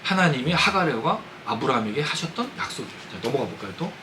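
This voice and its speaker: A man's voice: medium pitch, very animated, fast, background noise. A man preaching a Sunday sermon, talking conversationally and asking his congregation questions. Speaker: pastor. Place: church sanctuary.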